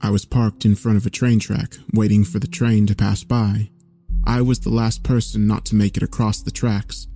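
A man narrating a scripted first-person horror story in a measured, solemn way. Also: fairly low pitch, flat delivery, warm tone. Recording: faint music behind. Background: faint background music.

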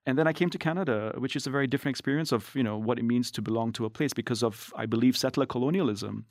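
A man from Singapore, an anthropologist, giving thoughtful, measured answers in an interview. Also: mid-range voice, no room sound, clean studio sound. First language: English. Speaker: guest, anthropologist. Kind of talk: reflective interview talk.

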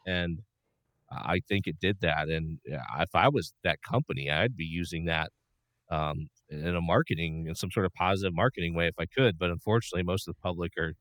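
Man, very low voice, sports talk co-host, animated, dry close sound. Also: a little fast, no echo. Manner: animated opinions, many fillers and restarts.

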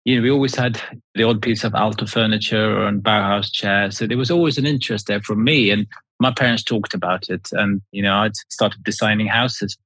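A man from Sweden, a guest architect talking reflectively in an interview, sometimes pausing to find words. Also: fairly low pitch, fairly bright tone, husky, no echo. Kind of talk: casual interview talk.

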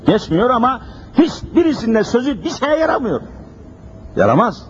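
The recording, dull and lo-fi with a faint hiss, captures a man preaching at a pulpit microphone. His very high-pitched, sing-song voice moves at a moderate pace as he emphatically repeats rhetorical questions.

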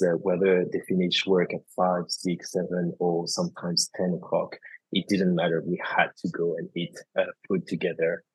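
A man from France, a cooking school founder, telling his story as a podcast guest, halting with many fillers and restarts. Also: low voice, a little mellow, breathy edge, dry recording, poor audio. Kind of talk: casual interview storytelling.

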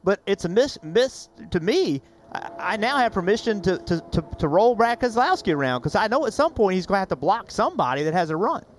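A man's voice: high-pitched, big pitch swings, brisk, a little hiss or hum. A man working as a racing analyst, earnest and often restarting his sentences. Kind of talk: studio commentary panel.

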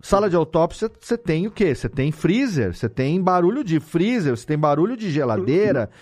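A Brazilian man talking casually as an interviewed audio editor, explaining things in an animated way with rhetorical questions. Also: on the high side, brisk. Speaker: audio drama editor and podcast guest.

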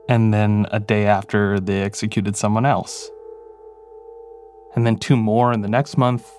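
A man's voice: fairly low pitch, darkish tone. A man, a podcast producer, narrating a story in a casual, reflective way with frequent fillers.

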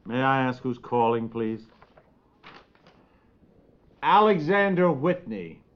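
Excitable, fussy 1950s radio dad. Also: male voice, mid-range voice, slow. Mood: flustered. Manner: blustering, stammering, repeats himself. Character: fussy, protective, excitable suburban father and husband. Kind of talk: 1950s radio comedy acting, naturalistic domestic dialogue. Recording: dull vintage 1950s radio recording.

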